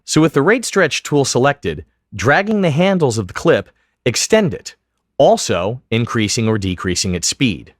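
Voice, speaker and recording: A man giving scripted, methodical step-by-step instruction as a software tutorial narrator. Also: mid-range voice, very animated, moderate pace, over music. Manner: clear, methodical, step-by-step explanation. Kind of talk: scripted instructional narration over screen demo.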